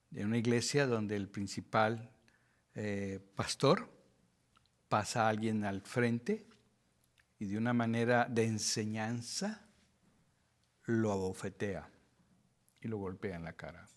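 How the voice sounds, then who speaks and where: Earnest Mexican pastor teaching Scripture. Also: male voice, mid-range voice. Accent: Mexican Spanish. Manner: earnest, with frequent restarts. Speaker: pastor teaching a Bible study. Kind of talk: Bible study teaching.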